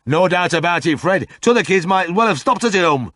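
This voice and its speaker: A man's voice: high-pitched, lively intonation, normal speed, fairly bright tone, voice pushed up. A man voicing an older male drinker who solemnly agrees with his friend. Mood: glum. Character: agreeable old Yorkshire drinking companion, glum.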